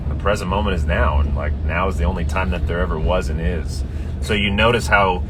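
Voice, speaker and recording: A man with a low-pitched voice talks off the cuff as a livestream host. He muses in rhetorical questions and repeats himself for emphasis. A clear layer of background noise sits behind him. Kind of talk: unscripted motivational talk to a live audience.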